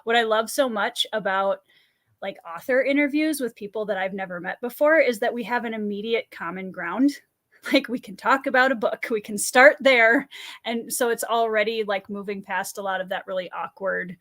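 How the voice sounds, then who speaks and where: Bright-voiced woman hosting a book chat. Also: a little high, moderate pace. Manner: friendly, laughs easily. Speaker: host. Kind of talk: casual chat on a live stream.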